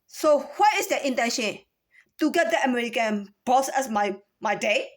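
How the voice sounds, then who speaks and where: A vlogger from Myanmar speaks to the camera in a rambling, animated monologue at normal speed. Her high voice keeps throwing out rhetorical questions and restarting sentences.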